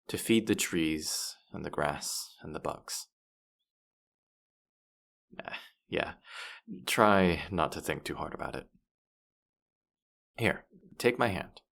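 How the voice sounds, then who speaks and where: Casting: man to play boastful, teasing male demon guide for fantasy audio drama; low, creaky voice, patronising air. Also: fairly bright tone, exaggerated voice. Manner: condescending, playful, exasperated. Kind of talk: roleplay audio drama, addressing the listener.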